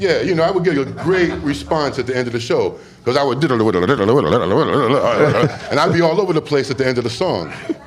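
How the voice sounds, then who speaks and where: A man talks at a very fast pace with lively intonation. Audible room echo and noticeable background noise surround him. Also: fairly high pitch for a man, very even loudness. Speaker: rapper. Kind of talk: interview. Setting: record store event. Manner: loud.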